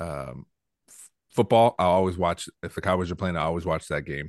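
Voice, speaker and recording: At a moderate pace, a man speaks with a very deep, low pitch, in a dry, close sound with no echo against a quiet background. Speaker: podcast host. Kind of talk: casual banter. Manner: laughs often, jokey.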